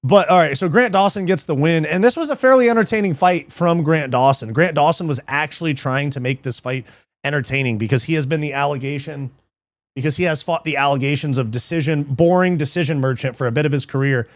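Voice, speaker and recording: Excitable profane man hosting a fight show. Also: fairly high pitch, a little fast, no echo. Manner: profane, excitable, reads live chat, laughs often. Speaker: livestream MMA show host. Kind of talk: casual livestream commentary.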